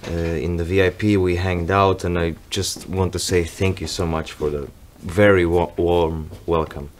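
A young man from Croatia with a Croatian accent, a touring bass player giving a grateful, halting greeting to fans from a backstage room. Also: little pitch movement, slight background noise. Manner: grateful, halting, searching for words. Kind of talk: casual video greeting to fans.

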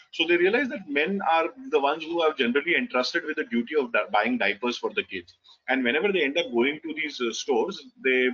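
A man's voice: medium pitch, fairly bright tone, slightly rough. A man in his thirties with an Indian English accent, whose first language is Gujarati, giving an online business lecture, talking loosely with many fillers and restarts. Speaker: webinar lecturer. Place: indoor room, video call. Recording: slightly dull lo-fi call audio.

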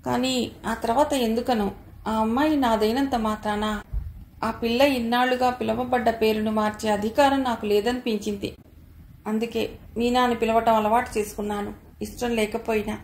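A woman's voice: fairly high pitch, fairly even intonation, normal speed, darkish tone, natural voice. A woman voicing a reflective young husband. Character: young married man confiding about his wife. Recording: roomy echo, faint background noise.

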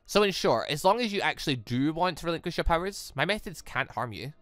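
A calculating young villainess from a visual novel, played by a man reading aloud. The speech is deliberate and condescending, in a dry, close recording. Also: fairly high pitch, animated, a bit bright, dry recording, soft background music. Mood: smug, calculating. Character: sly, calculating villainess, smooth-talking young woman.

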